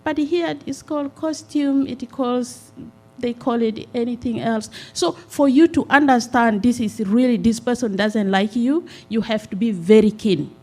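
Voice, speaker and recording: A middle-aged woman from South Sudan, speaking at a town hall meeting on a handheld mic. She talks in an earnest, measured way, with many "uh" pauses. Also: on the high side, a little mellow. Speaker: community nonprofit representative. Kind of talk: town hall public comment. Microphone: handheld microphone.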